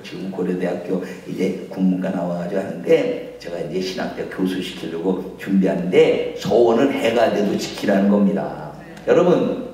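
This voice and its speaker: A man preaching at a revival meeting as pastor, acting out conversations and breaking into shouts. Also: mid-range voice. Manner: animated, shouts and acts out dialogue. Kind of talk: revival sermon. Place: large church revival meeting. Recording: echoey hall, mic from far off.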